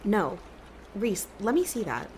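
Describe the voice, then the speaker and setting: A woman's voice: medium pitch, very animated, unhurried, a little mellow, a little hiss or hum. An actress playing a worried, wryly teasing young woman in a naturalistic audio drama. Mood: inquisitive. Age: young adult.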